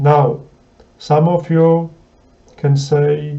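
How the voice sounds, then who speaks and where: A man speaks at a very slow pace in a monotone, flat intonation. His voice is somewhat breathy, and room echo is audible. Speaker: app developer and stutterer. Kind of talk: video monologue. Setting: at home alone.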